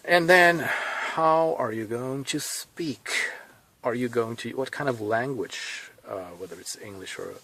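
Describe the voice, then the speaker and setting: Slow, halting man with Swedish accent. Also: mid-range voice, sharp tone, no room sound, poor audio. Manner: slow, halting, thinking aloud with pauses and restarts. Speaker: vlogger. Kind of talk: casual talk to camera. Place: inside a parked car.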